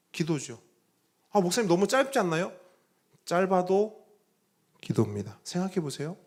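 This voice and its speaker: A man preaching a sermon as pastor. He asks the congregation rhetorical questions and moves between soft, low phrases and loud, emphatic ones.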